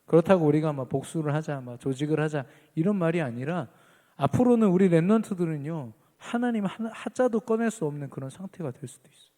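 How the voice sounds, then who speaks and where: A man's voice: a little high, lively intonation, a little fast, mellow, in a large hall. A man preaching an earnest sermon as pastor at a midweek church service, lifting his voice on key phrases.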